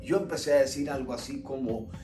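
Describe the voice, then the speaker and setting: A man's voice: medium pitch, fairly quick, echoey room, over music. A man telling a Christian testimony as a dramatic story, emphatic and repeating words for effect.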